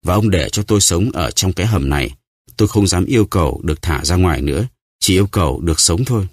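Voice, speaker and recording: A man voicing a starving male prisoner who stammers and begs for his life, in a dry, low voice. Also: expressive, quick pace, dry recording. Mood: pleading. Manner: pleading, stammering.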